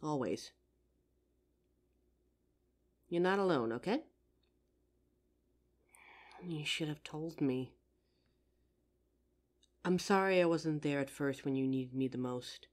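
Woman acting a low-voiced, caring best friend. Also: animated, takes it slowly, pauses often. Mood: tender, reassuring. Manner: soothing, earnest, gently insistent. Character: caring young woman, worried best friend offering comfort. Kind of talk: roleplay audio drama monologue, intimate comforting.

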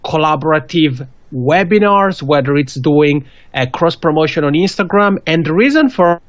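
A man's voice: on the high side, animated, normal speed, no room sound. Swiss-accented man giving earnest advice. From Switzerland. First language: not English. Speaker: podcasting guest. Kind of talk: video call interview. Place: small indoor room. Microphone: studio mic with pop filter on a video call. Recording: dull, dry video call audio.

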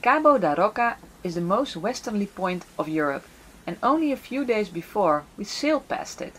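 A woman whose first language is Dutch, narrating a sailing vlog as voice-over in a steady, matter-of-fact way. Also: mid-range voice, moderate pace, slight background noise, poor audio. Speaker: vlogger narrating a sailing trip.

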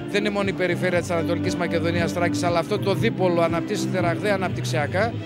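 A middle-aged man, a chamber of commerce president, giving an earnest, steady statement into a handheld mic in front of an expo backdrop. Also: sits high. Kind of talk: press statement. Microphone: handheld reporter mic.

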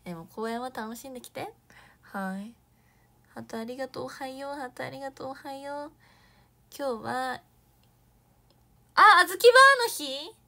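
A young woman chatting casually on a morning live stream, reading viewer comments, thanking viewers in a bubbly way and sometimes dropping to a soft whisper. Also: high voice, steady tone, moderate pace, creaky, pauses often.

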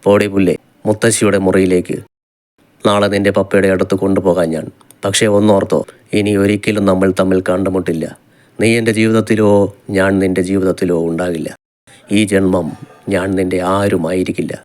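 A man voicing a young husband in an audiobook romance, firm and commanding yet gently coaxing. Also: sits low, flat delivery, a little fast, natural voice.

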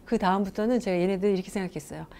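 A woman's voice: medium pitch, rapid-fire, warm tone, slight background noise. A woman English teacher giving a casual video lesson, chatty and storytelling, asking her viewers questions as she goes.

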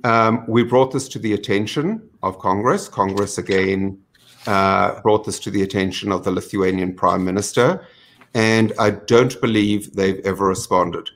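Low-voiced man on a video call. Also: a bit bright. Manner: measured, earnest account with frequent ums. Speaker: panelist. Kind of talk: online panel discussion. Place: home study with bookshelves.

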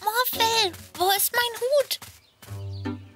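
A performer voicing a cheerful, caring little girl in a children's cartoon, with simple, clear delivery. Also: very high voice, drawn-out words, heavily acted. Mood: caring, bright. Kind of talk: children's cartoon dub acting. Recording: music behind the voice.

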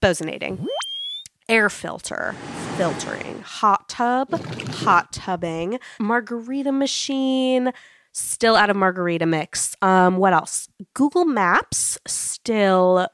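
A woman's voice: mid-range voice, animated, slow pace, a bit bright. A woman playing a weary but determined spaceship captain, dry and exasperated, in a comedic audio drama. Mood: hesitant, bored.

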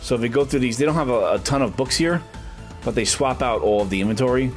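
Touring a small comic shop after walking in from the street, a middle-aged vlogger talks fast in a mid-range voice with faint music behind him. He rambles chattily, filling gaps with lots of "uh," and sounds excited whenever he finds books.

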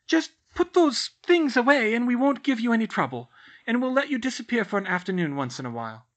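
A man voicing a panicky middle-aged woman who stammers in a shrill voice. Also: wildly swooping pitch, a little slow, a bit bright, breathy edge, heavily acted. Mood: placating.

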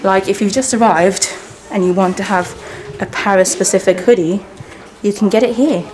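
A woman in her thirties whose first language is Persian chats brightly through a self-filmed hotel walkthrough, with her pitch jumping up now and then. The sound is handheld camera audio with clear background noise from the indoor lobby. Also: steady tone, moderate pace, low-quality recording. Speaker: travel vlogger. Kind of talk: casual walking hotel tour.

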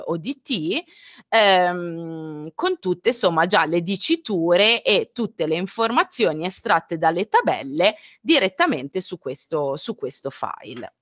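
A woman gives a webinar tutorial in a slow, unhurried way, stopping often for fillers and to correct herself. Her voice sits a little low, and it is recorded dry, close to the mic, with no room sound. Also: fairly bright tone, no echo. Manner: hesitant, many fillers and self-corrections. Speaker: presenter of a software tutorial. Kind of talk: live webinar explanation with screen demo.

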